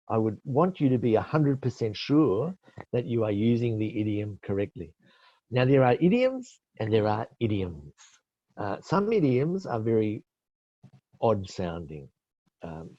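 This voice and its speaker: A middle-aged Australian IELTS expert gives webinar tips in a warm, medium-pitched voice, teaching and answering questions. His explanations are patient, with frequent self-corrections and fillers. The dry recording, made on a webinar call mic, sounds dull and lo-fi.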